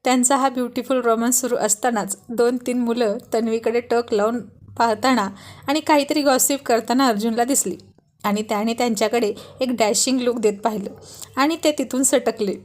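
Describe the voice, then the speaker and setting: A woman narrating a serialized love story in an expressive storytelling manner. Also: on the high side, moderate pace.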